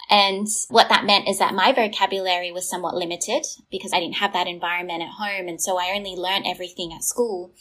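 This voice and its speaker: A woman's voice: on the low side, fairly even intonation, a little fast, fairly bright tone, poor audio. An Australian woman, a startup founder, candidly telling her life story as a podcast guest in a thoughtful, reflective way. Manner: thoughtful, candid, laughs lightly at times.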